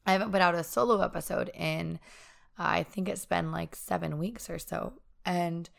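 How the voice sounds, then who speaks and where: A young woman hosting a solo spiritual wellness podcast, her voice hoarse and raspy while she gets over a sinus infection, talking in an earnest, encouraging way. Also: on the low side, normal speed. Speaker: podcast host.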